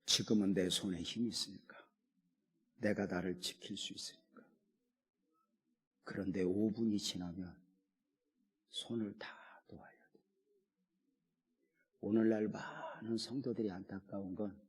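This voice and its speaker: Husky preacher in a reverberant church. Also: male voice, sits low, fairly even intonation, normal speed. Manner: storytelling, dropping to soft near-whispers. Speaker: pastor. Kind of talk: sermon. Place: church sanctuary. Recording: long hall reverb.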